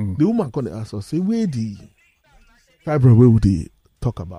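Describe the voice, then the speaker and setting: A man speaks with a dark, mellow tone that is somewhat breathy. His pitch swings very widely. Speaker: comedian. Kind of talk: casual chat. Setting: studio.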